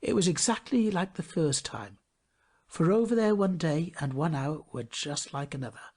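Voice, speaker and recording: A man narrating a fairy tale from a script in an expressive, theatrical manner, often hushing his phrase endings. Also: fairly high pitch, moderate pace. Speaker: storybook narrator.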